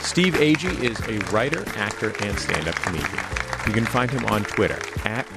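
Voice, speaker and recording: A man hosting a radio show, reading scripted introductions with a smooth announcer delivery. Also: lowish voice, animated, moderate pace, over loud music, a loud crowd.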